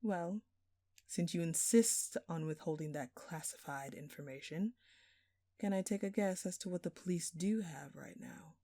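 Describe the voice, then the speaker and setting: A woman's voice: on the low side, normal speed, dark tone, dry recording, clean studio sound. A woman playing a smug, flirtatious jewel thief who taunts a detective with teasing, sarcastic, theatrical phrasing in an audio roleplay. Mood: smug, speculating. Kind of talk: scripted audio roleplay addressed to the listener.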